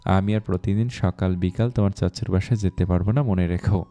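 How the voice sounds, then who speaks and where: A man voicing a hot-tempered, bossy young man in a spoken story, scolding and impatient, in a deep, mellow voice. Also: fairly even intonation, fairly quick.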